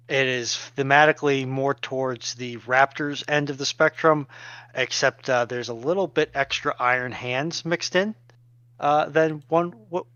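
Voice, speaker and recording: A man co-hosting a casual live chat, speaking in a measured, wordy way with rather formal phrasing. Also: mid-range voice, pushed and bright, smooth, dry recording, lo-fi sound. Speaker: co-host and chat moderator.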